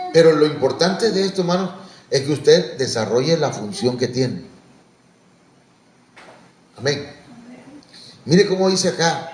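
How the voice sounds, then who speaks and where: A man preaches in a folksy, conversational way, telling stories with asides and restarts. His pitch is mid-range, and he lifts his voice when he urges the congregation to serve. The echoey church room rings around him. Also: slight background noise. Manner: exhorting, rising on calls to serve. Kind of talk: conversational sermon.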